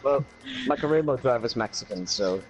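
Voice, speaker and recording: A man's voice: mid-range voice, animated, normal speed, music in the background. A man from Wales giving a casual post-race interview as an online racing driver.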